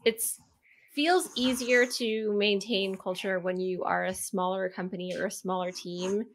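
A woman's voice: mid-range voice, a bit bright. A woman being interviewed about her work, chatting casually and loosely. She restarts her sentences often and keeps an easy, talkative flow. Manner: chatty, with frequent restarts and laughter. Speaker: podcast co-host and marketer.

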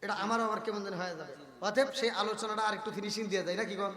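A very high-pitched man preaching at a gathering, his voice sharp and forceful. He tells funny stories and keeps asking the crowd whether he is right. The sound is a roomy live recording with a long reverb tail. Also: steady tone, racing. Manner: humorous storytelling, asks the crowd to agree. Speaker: Islamic preacher. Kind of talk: Bengali waz sermon. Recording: echoey live hall with reverb.

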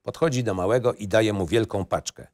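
A man's voice: fairly low pitch, brisk, darkish tone, dry recording, studio quality. A man narrating a screenplay in short, matter-of-fact phrases. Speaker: narrator reading stage directions. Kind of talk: scripted narration, screenplay reading.

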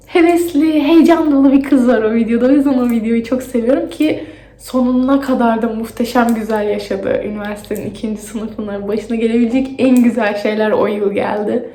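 A woman's voice: fairly high pitch, mellow. A young woman in her twenties chatting casually as a vlogger, laughing often and talking half to herself, her voice echoing like a cave in a bare empty room. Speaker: exchange student vlogger. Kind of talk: casual vlog chat. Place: empty dorm room, indoors.

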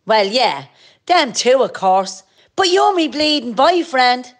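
A woman's voice: sits high, sing-song, slow pace, full character voice. A woman voicing a brash, cursing Irish woman in a comedy radio play. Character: brash, cursing Dublin woman with big schemes.

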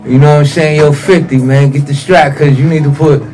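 A man's voice: a little high, fairly even intonation, fairly quick, poor audio. An American man hosting a hip hop radio show in hype, slangy talk, often repeating his phrases. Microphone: studio broadcast microphone. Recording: loud hip hop music underneath.

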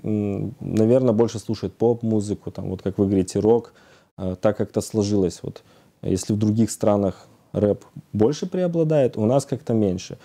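A man in his thirties talks as a guest in a casual studio interview. His voice is low and very dark, soft-edged. He often pauses and searches for his words. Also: vocal fry. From Odesa, Ukraine. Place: TV studio, indoors, seated.

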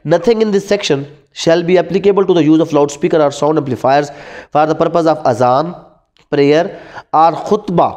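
Standing at a classroom whiteboard, a Pakistani law teacher with a slightly high, somewhat mellow voice lectures in a blend of Urdu and English terms. He often asks questions and answers them himself, and he repeats key points and important terms for his students.

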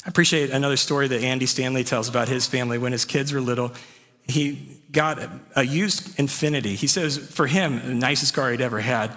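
A man's voice: medium pitch, steady tone, brisk, sharp tone. A man preaching a sermon as pastor, telling stories in a conversational way and asking rhetorical questions. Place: church sanctuary. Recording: long reverb of a church hall.

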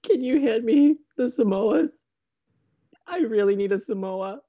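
A man playing an excitable, sweet young college radio co-host in an audio drama, eager and playful. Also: very high-pitched, unhurried, narrow, tinny audio, heavily acted. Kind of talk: naturalistic audio drama acting.

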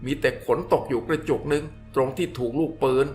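A man voicing a cold, deadpan adult hunter who speaks in flat, curt, clipped sentences. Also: fairly high pitch, brisk, faint music behind, close to an everyday voice.

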